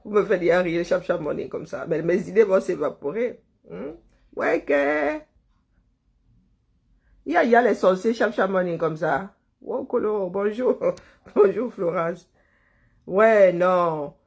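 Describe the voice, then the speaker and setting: Livestream host, husky, loose rambling chat with viewers. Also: medium pitch, expressive, measured pace, pauses often. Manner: rambling, chuckling, stumbling over words. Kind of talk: casual live chat greeting viewers.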